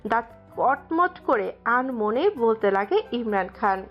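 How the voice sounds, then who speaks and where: A woman narrating a dramatic story in a steady storytelling manner. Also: a little high, slow pace, highs cut off, faint music behind. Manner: steady storytelling, occasional slips.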